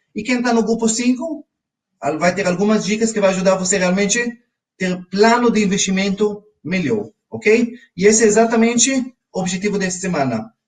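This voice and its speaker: Moderately paced male speech, high in pitch, with ordinary pitch variation. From Israel. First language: Hebrew (speaking Portuguese). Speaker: financial educator. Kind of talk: online lecture.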